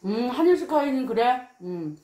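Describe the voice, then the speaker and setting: A woman's voice: on the high side, big pitch swings, normal speed, reverberant. A woman streaming a mukbang, chatting casually with her viewers while her mouth is full of food. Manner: soft, chatty, talks between bites. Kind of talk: casual live-stream chat while eating.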